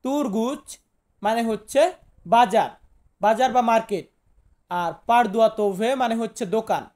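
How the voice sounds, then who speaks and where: A man from Bangladesh, giving a vocabulary lesson to viewers. He repeats each new word slowly and asks rhetorical questions before answering them. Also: high voice, a little mellow. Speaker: language teacher.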